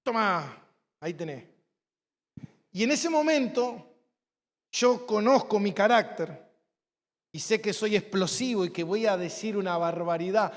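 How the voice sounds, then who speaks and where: A man's voice: sits high, a little slow. A man with an Argentine accent, preaching a sermon as pastor, emphatic and repetitive, telling personal stories. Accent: Argentine Spanish. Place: church sanctuary. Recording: long church hall reverb.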